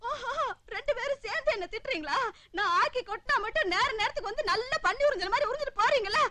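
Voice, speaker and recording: Brief: feisty young maid, high fast scolding, film comedy. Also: female voice, expressive, a crowd in the background. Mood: angry. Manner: quick, scolding retorts. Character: sharp-tongued young housemaid. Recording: film soundtrack with music.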